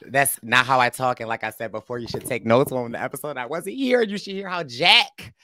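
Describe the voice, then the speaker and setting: A man hosting a casual podcast chat, playful and quick to laugh, his voice a bit raspy this week. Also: medium pitch, no room sound, studio quality. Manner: lively, laughing, playful teasing. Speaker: podcast host.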